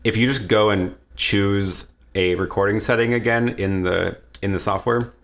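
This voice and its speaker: Man, very low voice, casual livestream host, relaxed, restarts sentences, home studio. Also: moderate pace, gravelly. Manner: relaxed, thinks aloud with many restarts. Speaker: livestream host answering viewer questions. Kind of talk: casual live Q&A. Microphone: headset or desk mic with headphones.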